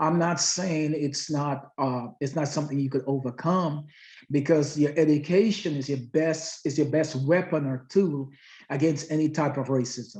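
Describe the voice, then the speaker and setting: A man with a non-native accent speaks at a fairly high pitch. His voice is somewhat breathy, with fairly even intonation. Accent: foreign. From grew up abroad, first 11 years in another country. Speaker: guest speaker. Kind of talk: Q&A talk to students. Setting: video call. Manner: halting, repeats words.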